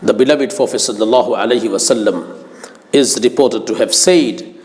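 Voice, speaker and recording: A man giving an earnest, formal religious sermon as a Muslim teacher, phrasing his words deliberately. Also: mid-range voice, a little mellow. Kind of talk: religious sermon with Arabic quotations. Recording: long hall-like reverb.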